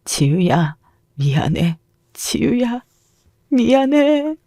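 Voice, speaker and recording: A woman's voice: lowish voice, slow pace, dark tone, breathy edge, no room sound. A woman voicing a frail middle-aged mother who weeps and apologizes over and over to her daughter, recorded dry and close. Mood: tearful. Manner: sobbing, broken apologies.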